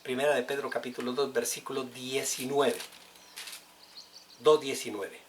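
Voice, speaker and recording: A preacher delivers a sermon, stressing and repeating key words. The preacher speaks directly to the congregation at a mid pitch, with faint noise behind. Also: steady tone, normal speed.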